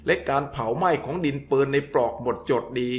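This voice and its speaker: A man reading a scripted story in a steady, descriptive way, as the storyteller. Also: medium pitch, fairly quick.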